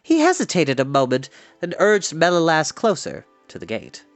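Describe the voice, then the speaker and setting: Higher-pitched man reading a fantasy story. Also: wildly swooping pitch, normal speed, no echo. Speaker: storyteller reading a novel aloud. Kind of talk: expressive read-aloud narration of a fantasy novel. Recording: music behind the voice. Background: background music.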